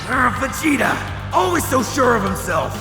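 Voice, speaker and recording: A man's voice: extremely high pitch, very animated, measured pace, over music, pitched above the performer's own voice, full character voice. A man voicing a cocky, taunting alien warrior in a cartoon fight, sneering and combative. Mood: smug, scornful.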